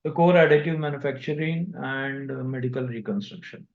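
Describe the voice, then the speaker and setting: A man with an Indian accent answering investors as a company executive on a conference call, speaking haltingly with pauses mid-sentence. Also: medium pitch, creaky. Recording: dull, echoey conference call audio.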